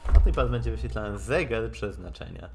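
A man with a fairly low voice streams a game over faint background music. He reads the dialogue out in a halting way and drops in wry asides as he goes. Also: lively intonation, vocal fry, a little mellow. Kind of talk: live game stream, reading dialogue aloud and commenting.

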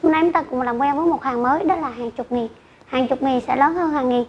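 A high-pitched woman teacher leads an online math lesson for children. She speaks slowly and carefully, reading numbers out digit by digit. The recording is dull and lo-fi, with a faint hiss behind her.

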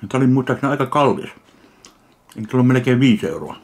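A man from Finland tasting and reviewing a ready meal in slow, dry, deadpan remarks. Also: mid-range voice. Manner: slow, dry, deadpan commentary between bites. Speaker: food reviewer. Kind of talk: casual food tasting review.

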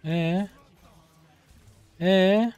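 A man in his twenties streaming his gameplay, chatty and excitable, trash talking in slang and breaking into sudden high-pitched outbursts. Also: extremely slow, clear, resonant tone, no room sound, soft background music. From Turkey. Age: 20s. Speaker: game streamer. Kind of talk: live gameplay commentary.

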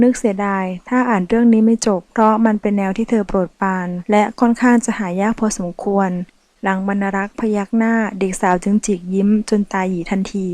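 A woman narrating a romance novel in a steady, even storytelling delivery, recorded close to the mic. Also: mid-range voice, dry recording. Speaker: audiobook reader.

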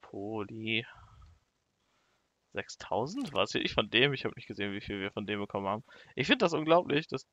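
A young man giving casual, excitable let's play commentary and talking to the animals in his game. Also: on the low side, brisk. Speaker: gaming YouTuber.

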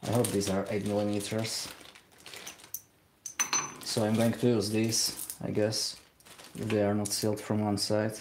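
Over slight background noise, a young man with a Slovak accent gives casual live-stream commentary as he blows glass in his home workshop. He speaks in a low, flat, darkish voice, halting and hesitant, with a self-deprecating streak.

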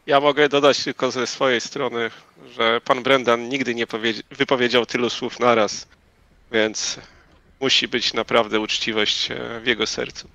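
Male player, gravelly bright voice, hesitant, dry video call sound. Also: mid-range voice, flat delivery, normal speed, dry recording, poor audio. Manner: hesitant, filler-heavy. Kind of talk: in-character role-play narration.

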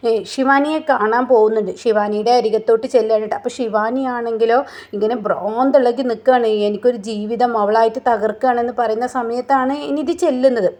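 A woman's voice: on the high side, fairly even intonation, fairly quick, darkish tone. A woman casually retelling a TV serial's episode, chatting along and tagging her sentences with little asides to the listener. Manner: chatty, ends sentences with tag questions. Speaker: TV serial recap narrator. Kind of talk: casual storytelling recap.

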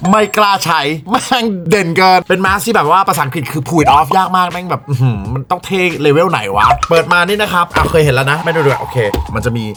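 A man reviewing a gadget in a casual unboxing vlog, excitable and jokey, cursing freely as he goes. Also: on the high side, fast talker, hardly any pauses, faint music behind. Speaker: tech reviewer.

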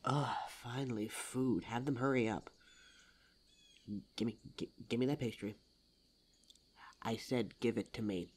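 A performer voicing a suave, teasing demon lover in an intimate ASMR roleplay audio drama, smooth-talking and formal in address. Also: medium pitch, steady tone, takes it slowly, long pauses, a little mellow. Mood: petulant, greedy.

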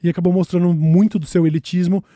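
Brazilian male host, high but mellow voice, dry close mic, blunt sarcastic banter. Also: level tone, quick pace, no room sound. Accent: Brazilian Portuguese. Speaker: podcast host. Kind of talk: casual comedic commentary.

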